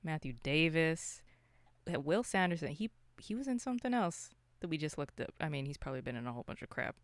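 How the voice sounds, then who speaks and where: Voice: medium pitch, sing-song, brisk, no echo. A podcast co-host chatting casually, with slangy, exclamatory interjections. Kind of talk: casual chat and reactions.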